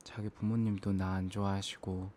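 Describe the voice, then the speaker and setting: A man in an ASMR role-play as an apologetic, self-blaming young boyfriend, speaking in a soft, intimate, hesitant murmur. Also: low-pitched, level tone, moderate pace, slight background noise.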